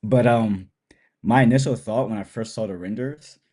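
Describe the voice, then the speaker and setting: A man's voice: lowish voice, normal speed. A man in his thirties, a guest photographer, talking casually with a nasal voice from a cold. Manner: relaxed, rambling with restarts and laughs. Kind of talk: casual podcast chat.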